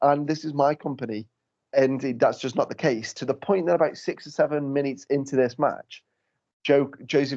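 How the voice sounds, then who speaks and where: Speaking at a moderate pace, a man has an English accent and a fairly high pitch. The background is quiet. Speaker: wrestling promoter and former manager. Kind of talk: casual podcast chat. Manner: loud.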